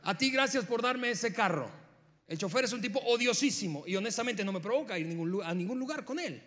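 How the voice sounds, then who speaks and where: Guy putting on an old widowed mom, dry and ironic, a bit higher and louder, echoey hall. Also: lively intonation, a little fast. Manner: ironic, mock-grateful.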